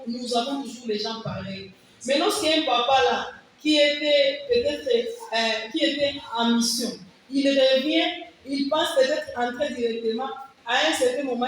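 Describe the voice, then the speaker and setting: A woman's voice: on the high side, moderate pace. A woman whose first language is Kiwari, earnestly answering examiners' questions at length, often restarting her phrases. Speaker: student defending a thesis. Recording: echoey hall, distant mic, faint noise.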